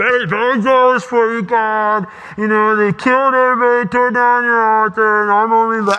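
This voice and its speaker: A man puts on a character voice, raised and projected, pitched high and delivered at a moderate pace. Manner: earnest, impassioned, delivered comically.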